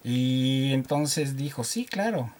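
Animated Quito man telling stories. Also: medium pitch, slow. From Ecuador. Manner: animated storyteller, jokes and laughs often. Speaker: guest, driving instructor. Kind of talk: casual radio interview.

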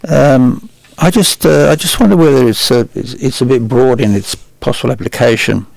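A man co-hosting a radio show, speaking haltingly with many repeated words and fillers. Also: mid-range voice, gravelly, darkish tone, dry recording, poor audio. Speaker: radio co-host. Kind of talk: radio panel discussion. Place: radio studio.

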